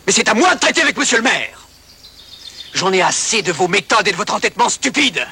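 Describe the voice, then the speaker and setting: An indignant, pompous general in a film comedy, scolding and commanding. The voice is high and very animated over clear outdoor noise. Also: male voice, a little fast, heavily acted.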